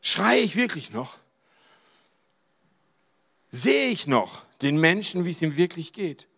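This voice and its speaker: A man preaches with a high, bright voice. His delivery is dramatic, climbing to near-shouts on the key lines and sinking low and quiet for asides. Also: sing-song, slow, vocal fry. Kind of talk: sermon.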